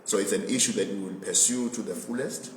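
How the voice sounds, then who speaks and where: A man with a Swazi accent giving a political address in an interview, speaking emphatically and deliberately and repeating phrases for emphasis. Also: fairly low pitch, fairly even intonation. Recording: echoey reverberant room with background noise.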